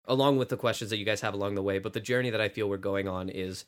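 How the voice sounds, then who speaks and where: A man with a slight lisp hosting a casual group chat, telling anecdotes in an animated way and acting out quotes. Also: lowish voice, rapid-fire. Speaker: podcast host.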